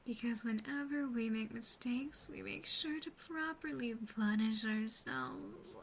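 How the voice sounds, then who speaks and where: A woman voicing an earnest, devoted yandere demon sister in an ASMR roleplay, breathy and often whispering, soft, measured and doting. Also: fairly high pitch, a little hiss or hum. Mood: devoted, contrite.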